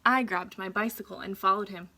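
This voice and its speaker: A woman reading a children's story aloud like a teacher, with deliberate, dramatic phrasing for young listeners. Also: mid-range voice, fairly even intonation, pushed and bright.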